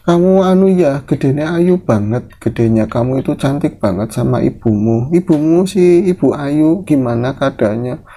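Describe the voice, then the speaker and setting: Guy doing a high weepy granny, fussing and repeating herself, mellow tone. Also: expressive, moderate pace. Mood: chatty. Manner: high, emotional, repetitive fussing. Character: chatty old village woman porridge seller, weepy.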